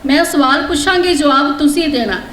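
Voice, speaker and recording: A woman giving a lecture to students, quizzing them and pressing them to answer louder. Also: high-pitched, fairly quick. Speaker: guest speaker addressing students. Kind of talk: lecture with call-and-response. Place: large hall at a religious college. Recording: echoey hall with faint ambience.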